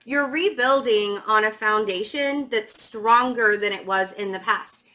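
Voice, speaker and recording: A middle-aged woman with a slight stammer speaks casually and emphatically to viewers as she gives a halting spiritual tarot reading, repeating words for stress. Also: medium pitch, sharp tone. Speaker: tarot reader.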